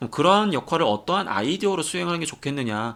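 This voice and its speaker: Very fast, a man talks with very wide pitch swings. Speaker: career coach. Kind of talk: lecture. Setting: home. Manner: formal.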